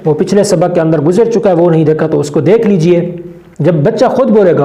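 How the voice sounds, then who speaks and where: A man with a high, mellow voice teaches Quran reading. He keeps asking his listeners whether the point is clear and drags syllables out slowly to demonstrate them. The recording sounds roomy and echoey. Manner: patient, repeats checks like "is it clear?". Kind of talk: instructional lesson.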